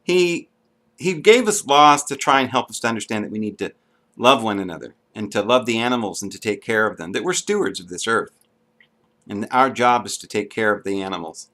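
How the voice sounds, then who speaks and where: A man's voice: on the low side, lively intonation, fairly quick, sharp tone. A man giving an unscripted, earnest monologue to camera, with frequent ums and restarts. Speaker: video blogger.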